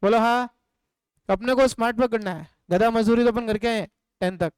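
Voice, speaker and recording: A man teaching a live economics class in a notably high, smooth voice. He keeps firing questions at his students and makes them answer back in chorus. The sound is dry and close. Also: brisk, no room sound. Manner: drills points with call-and-response. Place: classroom or home studio.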